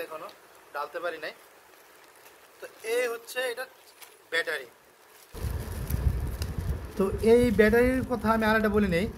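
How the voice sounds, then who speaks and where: A man with a Bangladeshi accent giving a casual product demonstration and sales pitch, explaining step by step and often repeating himself. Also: a little hiss or hum. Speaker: shop seller presenting a product on his channel.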